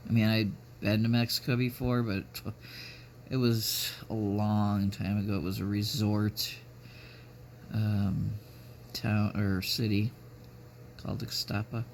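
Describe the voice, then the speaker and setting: Male vlogger, 50s, creaky and unhurried, musing aloud in loose, rambling casual chat. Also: on the low side, level tone. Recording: noticeable background noise.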